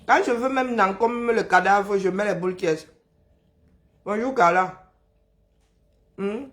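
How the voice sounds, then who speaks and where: Hoarse, worn-out Cameroonian woman streaming. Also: mid-range voice. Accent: Cameroonian French. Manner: chatty, teasing, drawn-out sighs and hums. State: exhausted. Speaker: live-stream host. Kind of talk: casual live-stream chat greeting viewers.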